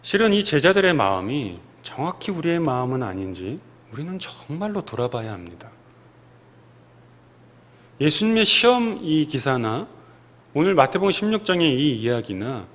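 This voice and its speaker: A man's voice: mid-range voice, very animated, normal speed, fairly bright tone. A male preacher giving an emphatic sermon in a church, acting out the lines he quotes. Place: church sanctuary. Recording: long church hall reverb.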